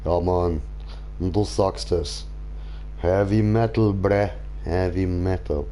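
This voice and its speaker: A young man with a Swiss German accent, giving casual commentary while playing a game, relaxed and mumbling his choices aloud. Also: low voice, slow, a little hiss or hum. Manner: relaxed, mumbling asides while choosing options. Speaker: gaming streamer.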